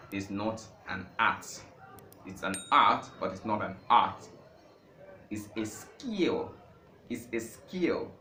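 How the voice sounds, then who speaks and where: A fairly low-pitched, sharp-toned man gives an informal talk on language learning. He is a Nigerian language teacher who speaks Igbo natively, and he talks emphatically, repeating phrases for stress and working up to impassioned peaks, in an echoey room with faint background noise.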